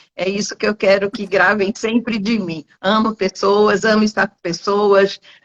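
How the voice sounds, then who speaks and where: A woman speaks at a medium pitch in a monotone, flat intonation, at a fairly slow pace with hardly any pauses. Her loudness swings widely, and the sound is dry and close with no echo. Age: 70s. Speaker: behavioral development trainer and mentor. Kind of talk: interview on a live stream.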